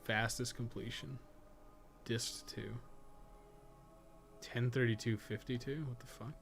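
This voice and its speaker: A man's voice: mid-range voice, fairly even intonation, slow pace, creaky, faint music behind. A man streaming a game, thinking aloud and chatting in a casual, rambling way, muttering to himself and swearing now and then.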